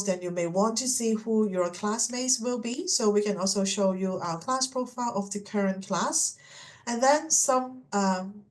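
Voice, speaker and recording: A woman's voice: mid-range voice, a little mellow. Middle-aged woman from Hong Kong hosting a webinar. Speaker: webinar host and MBA admissions manager. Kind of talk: presenting a webinar, semi-scripted.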